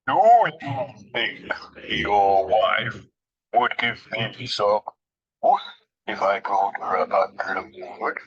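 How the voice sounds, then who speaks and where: A man voicing a greedy, inquisitive bear that talks slowly and stammers. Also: lowish voice, fairly even intonation, a bit bright. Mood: eager hesitant. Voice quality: slow, hesitant, stammering. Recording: dull lo-fi recording.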